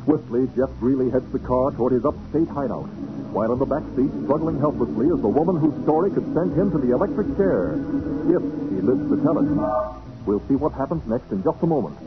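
A man's voice: mid-range voice, animated, a little fast, loud music behind the voice, close to an everyday voice. Male dramatic radio announcer with sweeping intonation. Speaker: announcer, narrator. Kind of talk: 1940s radio serial narration. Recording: thin, phone-like 1940s radio recording.

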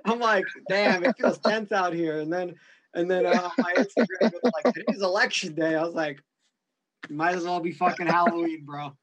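A man's voice: high-pitched, normal speed, fairly bright tone, low-quality recording. A man from Brooklyn, hosting a casual podcast chat in blunt, profane street talk. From Brooklyn, New York.

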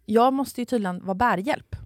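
A woman's voice: fairly high pitch, darkish tone, no echo, studio quality. A woman co-hosting a podcast, telling a long story in a casual chat and swearing freely. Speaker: podcast co-host.

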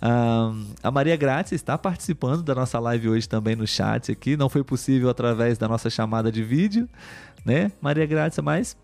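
Brief: man, mid-pitched, patient teacher closing a live stream, faint music behind. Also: moderate pace, vocal fry, darkish tone. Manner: patient, teacherly, many "ah" and "né" tags. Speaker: host of a live stream for Portuguese learners. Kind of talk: friendly live-stream wrap-up, reading viewer comments.

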